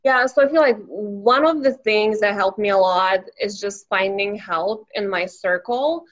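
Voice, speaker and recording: Young adult woman from Lithuania, native Lithuanian speaker, interview guest, mid-pitched, soft-spoken, slightly dull recording. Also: unhurried. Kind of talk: casual interview answers.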